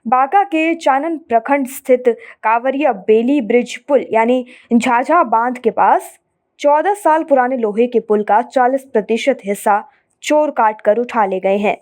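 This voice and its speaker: A woman presenting scripted news in a formal, measured bulletin delivery. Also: a little high, darkish tone.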